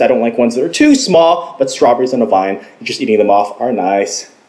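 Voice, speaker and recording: The speaker moves at a fairly quick pace with ordinary pitch variation. Noticeable background noise is present. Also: man, hardly any pauses. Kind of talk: casual talk to camera. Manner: fast; lively, upbeat.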